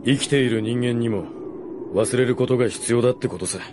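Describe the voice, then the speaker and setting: An actor playing a blunt, cynical mercenary in a radio drama, with a curt, world-weary manner. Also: male voice, mid-range voice, fairly quick, noisy background, lightly acted. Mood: cynical, resigned. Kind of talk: Japanese radio drama acting.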